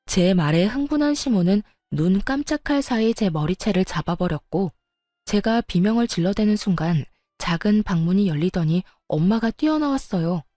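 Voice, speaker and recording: A woman narrating a first-person family story in a measured, earnest way. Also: mid-range voice, animated, mellow, dry recording, clean studio sound.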